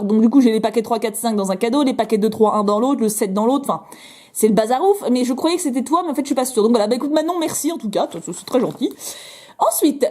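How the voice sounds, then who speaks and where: Bubbly young French woman with mellow tone. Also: on the high side. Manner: bubbly and playful, many fillers and repeats. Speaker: YouTuber opening fan mail. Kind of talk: casual chat to camera.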